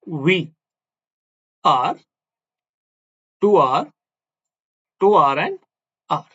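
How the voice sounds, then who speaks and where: High-pitched South Asian man teaching, dull sound. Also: lively intonation, extremely slow, bright, forceful tone, breathy edge. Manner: repetitive step-by-step explaining with question tags. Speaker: physics teacher. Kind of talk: classroom lecture.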